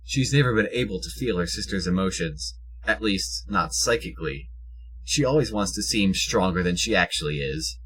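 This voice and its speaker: A man with a husky voice reading scripted narration for an audio drama. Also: deep voice, lively intonation, normal speed, a bit bright, slight background noise.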